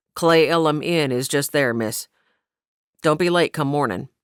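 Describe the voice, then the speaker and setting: A gruff, put-on character voice at a low-to-middle pitch moves at a moderate pace on a very clean recording with a silent background. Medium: read story. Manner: gruff, barking.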